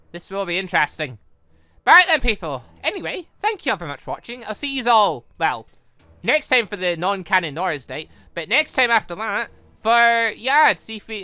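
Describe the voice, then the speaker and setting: A gaming channel host giving excited, rambling, exclamatory playthrough commentary, thinking aloud into a close microphone. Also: mid-range voice, clear, resonant tone, no room sound.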